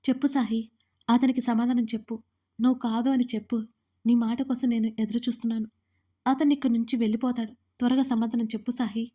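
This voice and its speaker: A woman's voice: a little high, little pitch movement, quick pace, warm tone, lightly acted. A woman voicing a young woman who feels betrayed by her friend and speaks reproachfully through tears, in an audio story. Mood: pleading. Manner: tearful, reproachful.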